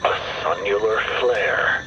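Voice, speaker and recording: A man playing a polite, mildly skeptical traveler in an audio drama, speaking in a measured, theatrical way. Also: fairly low pitch, muffled recording, heavy background noise. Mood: puzzled realization. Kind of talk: audio drama character acting.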